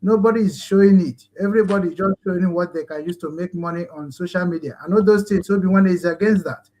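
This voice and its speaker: Igbo-accented Nigerian male host, high-pitched, rambling and earnest, lots of "uh" and restarts. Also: quick pace, darkish tone, low-quality recording. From Nigeria, Igbo land. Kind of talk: online talk show hosting.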